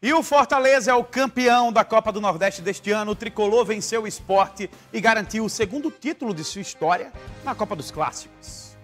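Brazilian male sports anchor, 30s, high bright voice, upbeat studio delivery, faint music under him. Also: a little fast. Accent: Brazilian Portuguese. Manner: upbeat, reads viewer messages aloud. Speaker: sports show host. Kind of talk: live TV sports talk.

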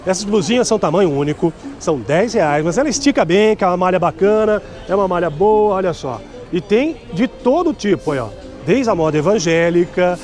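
This high-pitched, somewhat dark-toned voice belongs to a middle-aged man from Brazil touring a street market after dark. Chatty and promotional, he keeps pressing sellers for prices while talking up the clothing.

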